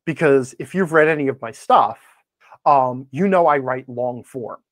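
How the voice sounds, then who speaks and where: A man's voice: medium pitch, unhurried, no echo. Man telling stories, close dry sound. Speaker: guest, tabletop gaming blogger. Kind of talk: casual interview talk with anecdotes.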